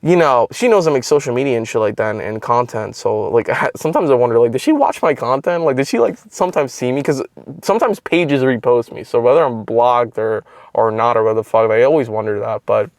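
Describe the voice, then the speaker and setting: A man's voice: medium pitch, animated, quick pace, no room sound, clean studio sound. A young man who makes online content telling a personal story in a casual, rambling way, swearing often and leaning on filler words. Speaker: content creator.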